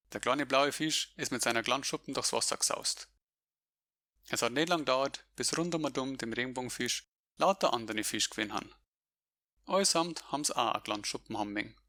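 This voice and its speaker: With a Bavarian accent, a man speaks at a fairly quick pace with long, frequent pauses, his medium-pitched voice showing ordinary pitch variation on a very clean recording with a silent background. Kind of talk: read story in Bavarian dialect.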